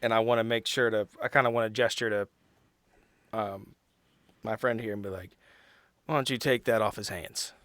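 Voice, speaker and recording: Bright-voiced man playing a tabletop game. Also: lowish voice, fairly even intonation, normal speed, long pauses, dry recording. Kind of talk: casual in-character game chat.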